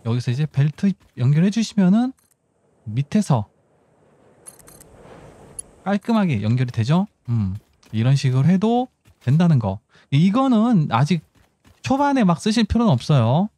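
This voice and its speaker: A man's voice: fairly high pitch, big pitch swings, normal speed, long pauses, warm tone. A man giving casual game tutorial commentary, explaining step by step and thinking aloud as he goes. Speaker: gaming channel host.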